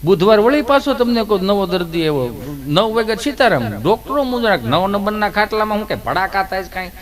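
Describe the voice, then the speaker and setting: Male folk comedian; rambling, lively storyteller, higher voice. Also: brisk. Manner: lively, rambling joke-telling. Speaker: stand-up comedian.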